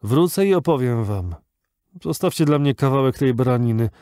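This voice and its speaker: An exhausted time traveller who speaks haltingly, still shaken and groping for words, as an audiobook reader puts him on. The tone is dark and mellow, in a dry, close recording. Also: male voice, medium pitch, expressive, dry recording, natural voice. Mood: weary. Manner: halting, unsteady, searching for words.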